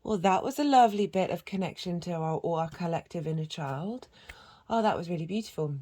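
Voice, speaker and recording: Croaky low-voiced woman reading astrology. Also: expressive, a little fast. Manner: gentle, flowing, spiritual delivery with frequent ums. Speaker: astrology and tarot reader. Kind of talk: channelled astrology reading to camera.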